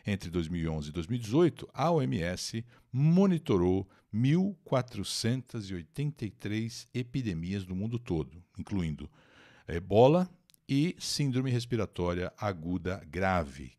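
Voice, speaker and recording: Brazilian guy teaching english live, deep voice that swings around a lot, keeps repeating words and saying hi to chat. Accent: Brazilian Portuguese. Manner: animated, repeats words for emphasis and greets chat viewers. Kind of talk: live-stream reading and translating an English article.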